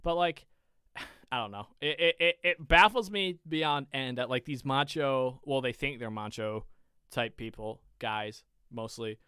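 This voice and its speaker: Bright, crisp young man telling a story. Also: mid-range voice, unhurried, no room sound, studio quality. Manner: animated, profane, rambling with restarts. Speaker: podcast co-host. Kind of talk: casual storytelling chat.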